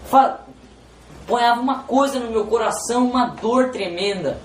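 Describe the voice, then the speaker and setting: Brief: man, emotional religious testimony, halting and repetitive, roomy echo. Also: extremely high pitch, a little hiss or hum. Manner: halting and repetitive, constantly addressing "Senhor". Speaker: testimony giver. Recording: roomy with faint background ambience.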